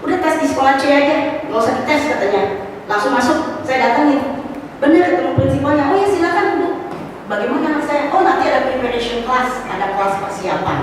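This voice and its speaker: A middle-aged woman giving a personal testimony at a church fellowship, telling her story with lively exclamations and casual asides, with a slight cough. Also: high-pitched, fast, a little hiss or hum. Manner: animated storytelling, rising to exclamations; mixes in casual slang and english words. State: has a cough. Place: church hall. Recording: echoey hall, voice from far off.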